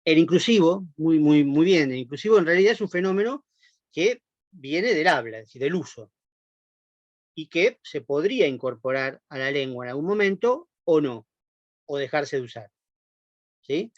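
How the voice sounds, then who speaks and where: With an animated, somewhat high voice at normal speed, a man gives a university lecture, patiently explaining and regularly checking in using tag questions and "eh." The recording is dull, lo-fi and dry, without echo.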